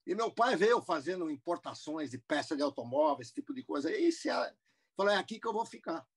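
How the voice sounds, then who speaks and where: Older man telling his life story on a video call. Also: fairly high pitch. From United States. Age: 70s. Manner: rambling, with many restarts and asides. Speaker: guest businessman. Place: indoor room at home.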